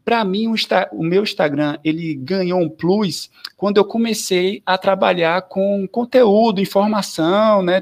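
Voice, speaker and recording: A man. His voice sits slightly high for a man. He talks in a lively, chatty way as an interview guest, tagging his sentences with fillers. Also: creaky. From southern Bahia, Brazil. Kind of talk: casual interview chat.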